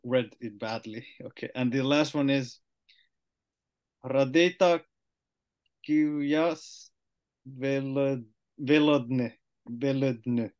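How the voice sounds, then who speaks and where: A young man with a Finnish accent, a native Finnish speaker, hosting a casual interview over a video call and slowly trying out new words. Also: mid-range voice, darkish tone. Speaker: podcast host. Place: small room indoors.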